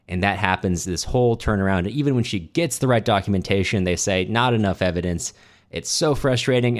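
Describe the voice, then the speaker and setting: A man co-hosting a podcast, discussing a book in an informal, rambling, wry way. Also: deep voice. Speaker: podcast co-host. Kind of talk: casual book discussion chat.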